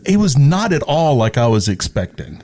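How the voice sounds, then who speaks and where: A man's voice: medium pitch, big pitch swings, moderate pace, mellow. A middle-aged man talking casually as an interview guest, hesitant, thoughtful and good-natured. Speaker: interview guest, radio personality. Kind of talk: casual chat. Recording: clear background noise.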